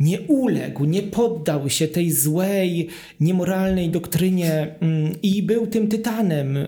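A man speaks at a very slow pace in a high pitch. Noticeable background noise and audible room echo fill the recording. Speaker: art historian and exhibition curator. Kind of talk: interview.

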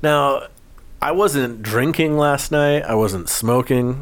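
A man with a fairly high pitch talks amid noticeable background noise. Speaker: podcast co-host. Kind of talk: casual chat. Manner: talks over co-host a lot.

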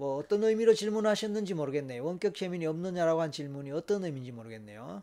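A man with a Gyeongsang accent talks very fast with hardly any pauses, his fairly high, dark, mellow voice making very wide pitch swings and big jumps in loudness. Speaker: hypnotherapist and counselor. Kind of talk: guided hypnosis induction; live stream Q&A. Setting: live online broadcast.

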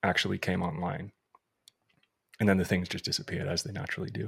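Vocal fry runs through this voice, captured in a very clean recording with a silent background. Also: man. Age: 30s. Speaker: purpose coach and meditation teacher. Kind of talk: casual chat.

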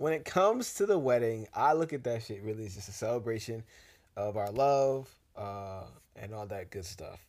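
At a moderate pace, an unremarkable speaking voice carries ordinary pitch variation and big swings in loudness. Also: man, medium pitch for a man. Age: 30s. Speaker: podcast co-host. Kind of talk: casual chat.

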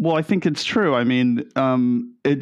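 Against a quiet background, a man talks in a normal speaking voice. His medium pitch comes with lively intonation. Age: 20s. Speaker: illustrator. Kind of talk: casual chat.

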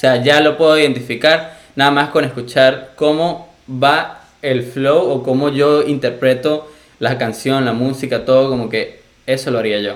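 His pitch is medium and his intonation fairly even. The man talks at a fairly slow pace. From Venezuela, San Cristóbal. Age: 20s. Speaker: rapper. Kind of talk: casual chat.

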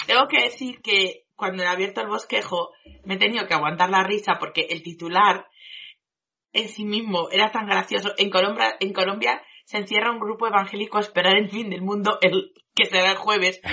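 This woman has a plain, everyday voice at a medium pitch. She talks fairly quickly, her intonation fairly even. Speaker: podcast co-host. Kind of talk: casual chat.

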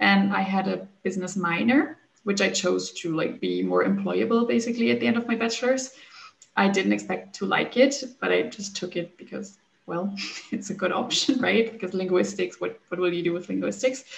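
A woman talks at a fairly quick pace. She has a German accent. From Germany. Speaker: localization specialist. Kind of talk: interview.

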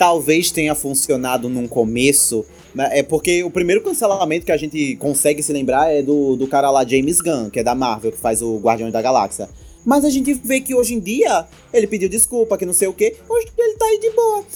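A man's fairly high, animated voice at a moderate pace with very wide pitch swings, music in the background. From Brazil, Northeast. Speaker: podcaster. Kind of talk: casual chat.

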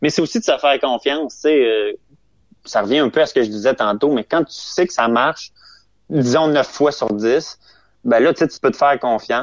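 A man with a Quebec accent speaks at a fairly high pitch, his intonation lively. He leaves long pauses, and often. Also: moderate pace. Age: young. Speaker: comedian. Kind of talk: casual chat.

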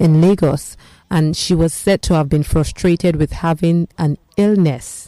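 Speaking in a Nigerian accent, a woman with a very deep, low voice and a dark, mellow tone talks at a fairly slow pace with fairly even intonation, the sound dry and close with no echo. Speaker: stand-in radio co-host. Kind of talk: news reading. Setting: radio studio.

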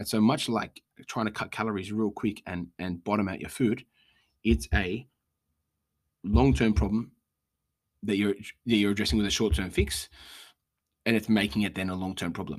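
Moderate pace and ordinary pitch variation in an Australian accent, with long, frequent pauses in a very clean recording over a silent background. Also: man, fairly low pitch for a man. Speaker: podcast host and personal trainer. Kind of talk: casual solo rant. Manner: animated.

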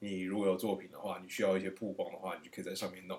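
The pace is very fast. A man is speaking. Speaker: podcast guest, friend of host. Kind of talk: casual chat.

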